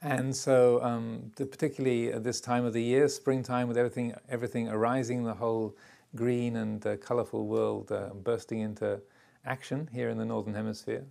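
An older man giving a reflective dharma talk as a Buddhist teacher, speaking haltingly with many pauses and hesitations. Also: medium pitch, flat delivery, vocal fry, warm tone. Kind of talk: dharma talk to a retreat group.

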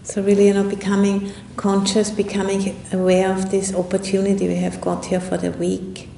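A woman giving a guided meditation talk as a meditation teacher, speaking in an unhurried, reflective way with long pauses. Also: monotone, gravelly, warm tone. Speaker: Buddhist nun and meditation teacher. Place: indoor room at a retreat center. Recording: roomy echo, faint rumbling background noise.

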